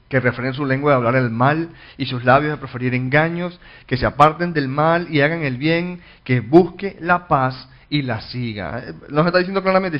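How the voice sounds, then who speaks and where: A pastor teaching a Bible study, reading verses aloud and explaining them with frequent restarts. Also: male voice, a little high. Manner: reads scripture then explains, many restarts and fillers. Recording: dull lo-fi recording.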